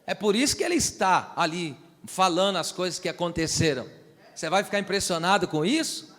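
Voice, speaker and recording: A man's voice: high voice, lively intonation, brisk, a bit bright, in a large hall. A man preaching a sermon as pastor, teaching and asking the congregation to repeat after him. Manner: teaching, asks the church to repeat phrases and check understanding. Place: church hall.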